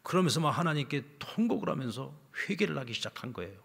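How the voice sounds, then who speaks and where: A male pastor delivering a sermon, telling a story that swings from loud, emphatic lines down to hushed, whispered ones. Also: mid-range voice, big pitch swings, quick pace, creaky, slightly rough, big-room sound. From South Korea. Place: church sanctuary.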